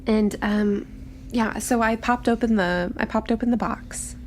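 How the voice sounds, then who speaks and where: Young female tinkerer played by a woman: highish voice, eager, breezy, chatty, casual tabletop roleplay, faint room noise. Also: unhurried, lightly acted. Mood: curious, absorbed.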